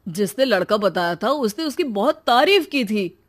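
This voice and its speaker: A woman voicing a trusting young brother in a cartoon who talks softly and earnestly. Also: a little high, lively intonation, moderate pace.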